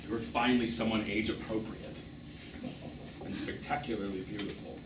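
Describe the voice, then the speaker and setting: A man's voice: on the low side, steady tone, moderate pace, distant mic, lightly acted. An actor playing a bitter, witty middle-aged gay man on stage, with a theatrical, sardonic, wordy manner. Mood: wounded, quiet. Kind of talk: one-act stage play acting. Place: small theatre, live performance. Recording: roomy, noisy theatre recording from afar.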